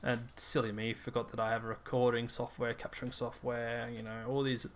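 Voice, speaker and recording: A man's voice: medium pitch, flat delivery, a little fast. A young man co-hosting a podcast, tired after work, rambling and laughing as he chats. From Australia. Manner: rambling, laughs often, self-restarting. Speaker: podcast co-host. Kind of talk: casual chat.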